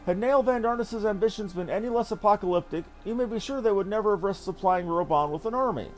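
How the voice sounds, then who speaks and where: A man's voice: sits high, fast, close to an everyday voice. A man voicing a dutiful military captain who reports in formal, archaic words. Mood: earnest, explaining. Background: game music.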